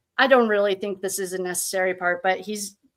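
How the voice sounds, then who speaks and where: Speaking at a fairly quick pace, a woman uses an unremarkable speaking voice at medium pitch with fairly even intonation. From New Hampshire, US. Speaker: true crime tarot YouTuber. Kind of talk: reading aloud court transcript with commentary. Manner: casual.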